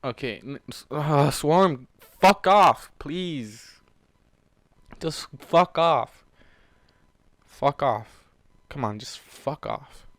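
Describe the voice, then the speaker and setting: A man's voice: a little high, expressive, extremely slow, long pauses, a bit bright, no room sound. A man reading fan fiction aloud, moving between story narration and casual, exasperated, swearing commentary. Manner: profane, exasperated, emotionally invested asides. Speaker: fan fiction reader and reactor.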